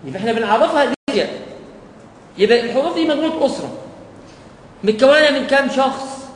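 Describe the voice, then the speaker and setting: A man's voice: extremely high pitch, expressive, quick pace. A man with an Egyptian Arabic accent teaching a Quran course, often putting questions to his listeners and answering them himself. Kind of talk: recorded lecture to teachers. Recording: echoey hall with long reverb and faint hiss.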